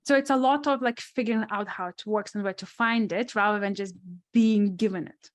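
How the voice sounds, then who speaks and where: A woman's voice: mid-range voice, a little fast. A woman with a strong non-native accent, a sports psychologist answering questions on a webinar panel in a thoughtful, restarting way. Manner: thoughtful, many restarts and asides.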